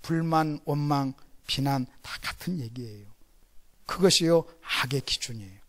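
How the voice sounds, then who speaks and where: A middle-aged man with a Gyeongsang Korean accent preaching a sermon as pastor, switching between loud emphasis and hushed asides. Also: medium pitch, expressive, normal speed.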